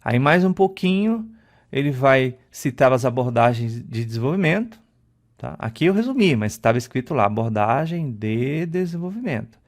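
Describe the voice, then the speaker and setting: Gravelly-voiced male instructor. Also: mid-range voice, big pitch swings, normal speed. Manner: explains at a slide, often ends phrases with a checking "tá?"; conversational, with filler "é" and restarts. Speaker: IT exam-prep instructor. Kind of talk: recorded video lesson.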